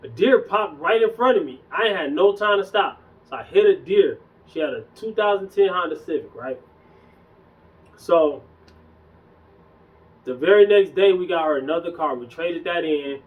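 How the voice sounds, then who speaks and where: A young man casually talking in a relaxed, slangy way as a fitness vlogger, a bit hoarse from losing his voice. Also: high voice, moderate pace, recorded from a distance, narrow, tinny audio. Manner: loose, conversational, slangy. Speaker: fitness YouTuber. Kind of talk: casual vlog chat.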